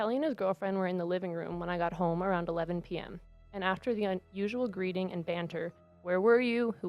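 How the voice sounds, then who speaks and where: A woman's voice sits at a medium pitch while music plays in the background. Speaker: podcast co-host. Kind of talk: scary story reading.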